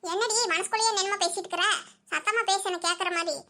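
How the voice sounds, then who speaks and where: A very high, bright cartoon voice of a prying village gossip who lectures her friend, played by a performer. She talks quickly. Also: steady tone, slight background noise, heavily acted. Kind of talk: cartoon voice acting.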